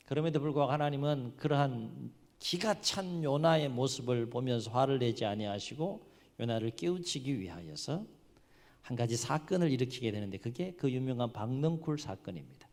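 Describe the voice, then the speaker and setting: A man's voice: medium pitch, normal speed, long reverb tail. A male pastor preaching a sermon, telling the story vividly and questioning his congregation. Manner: animated storytelling that acts out the quotes.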